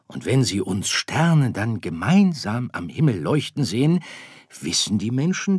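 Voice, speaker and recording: A man doing a gentle father star. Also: mid-range voice, slightly rough, no echo, clean studio sound, pitched above the performer's own voice, full character voice. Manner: calm, explaining. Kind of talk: audiobook character voice.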